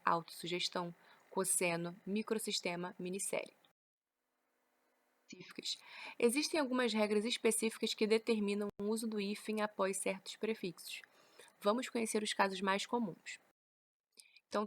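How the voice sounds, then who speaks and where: A Brazilian woman talks through a grammar lesson, reading from slides and stopping often to add a checking "né?". Her voice sits at a middle pitch. The recording is dry and close. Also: fairly bright tone, dry recording. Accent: Brazilian Portuguese. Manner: explains each rule with frequent "né?" tag questions. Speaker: teacher.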